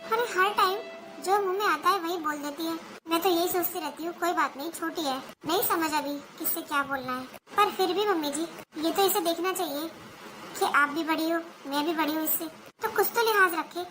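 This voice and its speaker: A woman's voice: very high voice, brisk, music in the background. Woman doing a sweet, soothing elder daughter-in-law. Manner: gentle, coaxing. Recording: noisy home recording.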